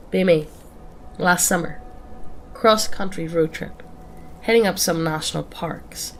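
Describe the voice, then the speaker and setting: A woman's voice: on the low side, slight background noise. A woman reading scary stories aloud in a casual, swearing storytelling manner. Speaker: horror story narrator. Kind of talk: scripted horror story narration.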